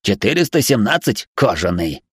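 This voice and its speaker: A man's voice: lowish voice, big pitch swings, moderate pace, slightly rough, no room sound, studio quality. A man voicing a sarcastic male servant robot who talks in clipped, broken grammar. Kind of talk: audiobook character voice.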